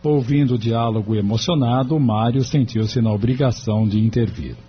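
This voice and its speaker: A man narrating an audiobook in a measured, even manner. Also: medium pitch, muffled recording, over music.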